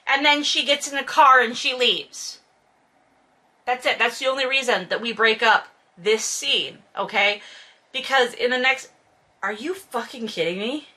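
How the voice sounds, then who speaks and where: A woman's voice: fairly high pitch, a little slow, bright, forceful tone. A woman giving casual, comedic book commentary in an exasperated, sarcastic, sweary manner full of exaggeration. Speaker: host reading and critiquing a novel.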